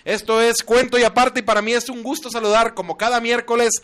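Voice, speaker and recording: A Mexican man hosting lively comedic radio banter in a teasing, foul-mouthed, exuberant manner. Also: extremely high pitch, fast. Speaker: radio show host.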